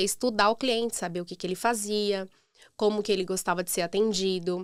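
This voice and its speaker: On a very clean recording with a silent background, a woman at medium pitch talks at a fairly quick pace in a monotone, flat intonation with big swings in loudness. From Brazil, interior of Rondônia. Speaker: businesswoman and sales mentor. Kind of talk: interview.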